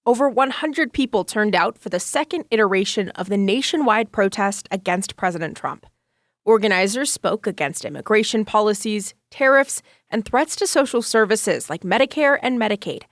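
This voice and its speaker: A woman's voice: mid-range voice, lively intonation, normal speed, no room sound. American woman news reporter, dry sound. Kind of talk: scripted news report narration.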